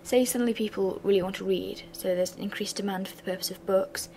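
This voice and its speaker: A young woman with a slightly raspy voice from a sore throat, talking through a revision lesson in a flat, bored-sounding way with chatty asides. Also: medium pitch, quick pace, slight background noise. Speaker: revision channel host. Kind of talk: casual revision lesson voice-over.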